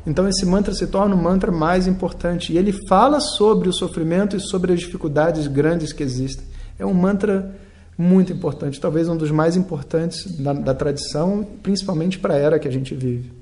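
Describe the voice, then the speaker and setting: Male teacher, slightly high voice, casual patient explainer who chants softly. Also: moderate pace. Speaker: yoga and Vedic teacher. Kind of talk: casual spoken lesson.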